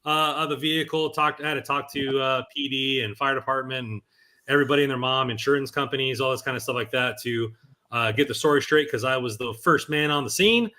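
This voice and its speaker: A man hosting a live hockey podcast, talking in an energetic, hype-building, casual way. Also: medium pitch, fast. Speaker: podcast host.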